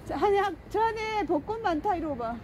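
Woman, high voice, very lively pitch, playful walking vlog chatter, outdoor street noise behind. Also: fairly quick. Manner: playful, gushing, talks to ants. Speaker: vlogger on a walk. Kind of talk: casual walking vlog chat.

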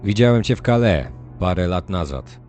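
Man playing a deep, grim Puritan adventurer. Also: lively intonation, moderate pace, darkish tone, soft background music. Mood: grim, bitter. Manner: gloomy, restrained fury. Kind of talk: dramatized audiobook acting.

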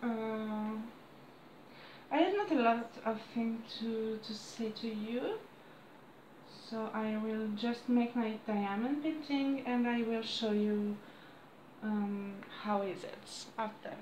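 A woman in her thirties with a French accent, chatting to camera at home in halting English, losing her voice. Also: a little high, a little mellow, roomy sound, a little hiss or hum, low-quality recording. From France. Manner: halting non-native English with frequent restarts and apologies. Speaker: crafts vlogger. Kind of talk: casual chat to camera. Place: small room indoors at home. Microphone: camera on a desk close by.

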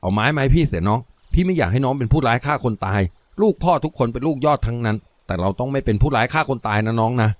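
Give me a man playing a warm-hearted elder brother with a deep, soft voice and lively intonation. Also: quick pace, hardly any pauses, dry recording, natural voice. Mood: tender. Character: gentle, charming young elder brother.

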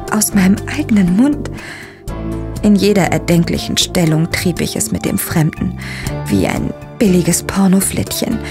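First-person audio drama narrator, a young woman voiced by a woman, tense and breathy; music in the background. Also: medium pitch, lightly acted. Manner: dramatic, breathy, dropping to whispers. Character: young woman recounting a shocking discovery.

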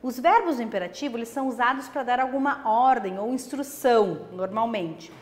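Patient woman teacher, slightly high voice. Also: long reverb tail. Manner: patient explaining, slowing down for example phrases. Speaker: language teacher. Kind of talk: online classroom lesson.

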